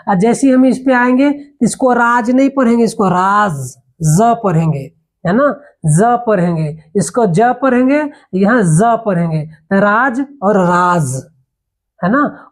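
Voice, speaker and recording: A man teaching a Hindi grammar lesson, explaining patiently, repeating each word slowly and often checking that his listeners follow. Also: high-pitched, expressive. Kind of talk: classroom lesson.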